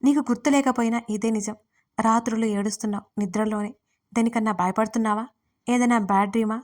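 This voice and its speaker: A woman voicing a protective, short-tempered young husband who talks firmly, in her own fairly high voice. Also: fairly even intonation, fast talker, darkish tone, lightly acted. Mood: concerned.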